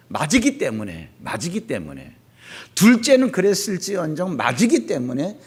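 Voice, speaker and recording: A male pastor preaching a sermon, telling Bible stories in an animated way and acting out the scenes. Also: fairly high pitch, breathy edge.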